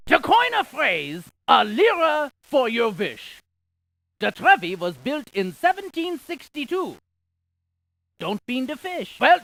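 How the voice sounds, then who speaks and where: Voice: medium pitch, vocal fry, sharp tone, no echo, exaggerated voice. An actor voicing a chatty scientist in an educational video game, sharing trivia with folksy, quippy asides. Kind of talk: scripted educational video game character dialogue.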